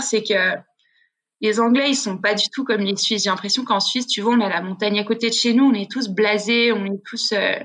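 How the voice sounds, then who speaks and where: A woman's voice: mid-range voice, fairly bright tone. Chatty slangy woman telling stories. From Switzerland. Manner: chatty, slangy storytelling with many restarts. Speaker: guest, freestyle skier. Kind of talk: casual podcast chat.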